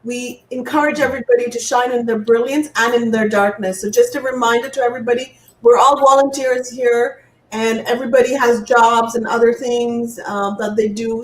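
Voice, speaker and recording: A woman who is a non-native speaker, casually hosting a live talk show with an encouraging, apologetic manner. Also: a little high. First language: not English. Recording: echoey room, distant from the mic.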